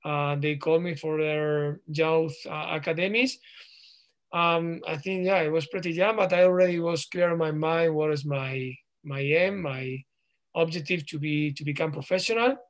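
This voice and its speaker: A man in his thirties speaks English with a Spanish accent, in a fairly high voice. He answers interview questions slowly, pausing often and restarting his sentences. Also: fairly even intonation. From Spain. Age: 30s. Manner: halting, frequent ums and restarts. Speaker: guest, professional footballer.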